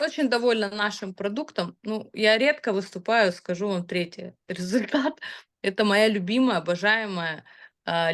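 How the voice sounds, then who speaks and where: Chatty woman in her thirties. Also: mid-range voice. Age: 30s. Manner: chatty, hesitant, with many fillers. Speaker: customer sharing product results. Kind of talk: casual testimonial talk.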